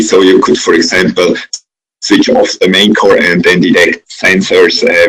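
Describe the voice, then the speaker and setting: A Swiss man with a Swiss accent moderates the Q&A part of a webinar, hesitating and halting as he goes. His voice is low-pitched yet a little bright, and the audio quality is poor.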